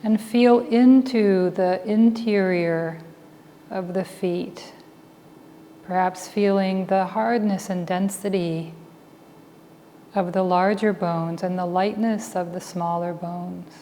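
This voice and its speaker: A woman leading a guided meditation as a teacher, speaking calmly and deliberately in short phrases with long pauses. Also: on the low side. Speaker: meditation teacher and Buddhist chaplain. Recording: reverberant hall with faint background noise.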